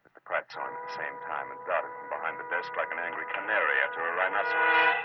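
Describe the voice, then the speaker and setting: Muffled, noisy old radio. deep-voiced, wisecracking gumshoe, hard-boiled and slangy, narrating and trading barbs. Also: male voice, fast talker, loud music behind the voice. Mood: wry narration. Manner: sardonic, slangy. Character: wisecracking tough male private eye. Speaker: lead actor and narrator.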